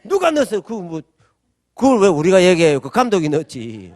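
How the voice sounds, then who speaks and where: A middle-aged man pastor, preaching a sermon with animated storytelling and asking the congregation for answers. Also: on the high side, a little fast, no room sound. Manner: animated storytelling with acted-out quotes; asks the audience call-and-response questions.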